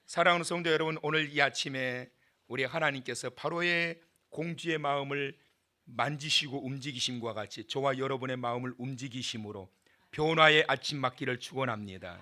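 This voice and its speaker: A man's voice: mid-range voice, a little fast, sharp tone. A male pastor giving a sermon in church, dramatic and full of questions to the congregation.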